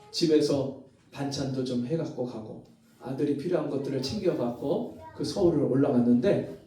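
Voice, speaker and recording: A man's voice: mid-range voice, dark tone. A male pastor telling a story in an earnest, dramatic sermon. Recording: very echoey hall, mic far off.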